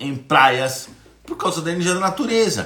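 A man's fairly high, bright, sharp voice with a São Paulo accent, at a fairly slow pace, with lively intonation and audible room echo. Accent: Brazilian Portuguese, paulista. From Brazil, São Paulo. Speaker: spiritist teacher and YouTuber. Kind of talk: livestreamed lecture. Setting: live stream. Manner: casual, colloquial.

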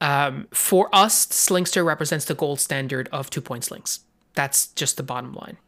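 Moderate pace in a French accent, in a very clean recording with a silent background. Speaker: podcast host. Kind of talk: casual chat.

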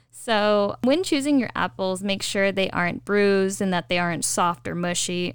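The recording is very clean, with a silent background. A woman talks at a medium pitch and a moderate pace. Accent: American. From California. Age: 20s. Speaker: podcast host and chef. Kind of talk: solo podcast talk.

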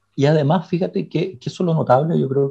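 A man talks in a dark, mellow tone with vocal fry. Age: 50s. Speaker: book editor and publisher. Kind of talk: interview conversation.

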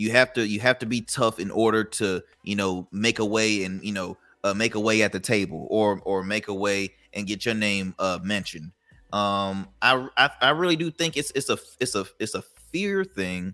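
Loud and bright, sharp in tone, a man with an American accent speaks at a fairly low pitch. His pace is moderate and his pitch variation ordinary. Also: very clean recording, silent background. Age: 20s. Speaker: podcast host and business founder. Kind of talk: casual interview conversation. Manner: loud, talkative.

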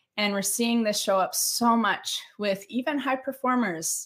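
A woman with an American accent has an unremarkable speaking voice, moving at a moderate pace with ordinary pitch variation. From United States. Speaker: cultural strategist and business coach. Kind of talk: interview.

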